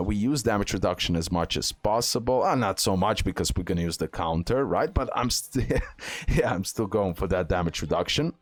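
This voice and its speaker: A man with a fairly low voice talks through gameplay in casual, non-native English. He repeats short phrases for emphasis. The sound is close and dry, with little room on it. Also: dry recording. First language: not English. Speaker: gaming content creator.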